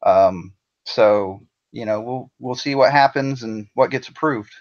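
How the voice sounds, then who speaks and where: A man's voice: mid-range voice, unhurried, dull audio. A man guesting on a podcast, chatting casually and hesitantly with many fillers. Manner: hesitant, filler-heavy storytelling. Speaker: writer guest.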